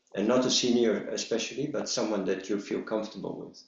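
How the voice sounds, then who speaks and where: A man at a moderate pace, with audible room echo. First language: not English. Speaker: Zen teacher. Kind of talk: Q&A discussion. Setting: video call. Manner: halting, many fillers and repeats.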